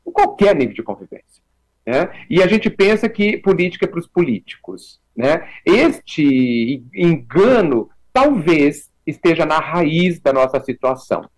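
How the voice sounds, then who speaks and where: A Brazilian man talking as a guest on a radio talk show, reflective and measured, often checking in with a tag question. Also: a little high, very animated, low-quality recording. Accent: Brazilian Portuguese. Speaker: guest commentator.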